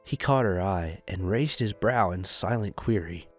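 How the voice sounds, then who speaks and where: A man's voice: low-pitched, unhurried. A man reading scripted narration for an audio drama. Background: music.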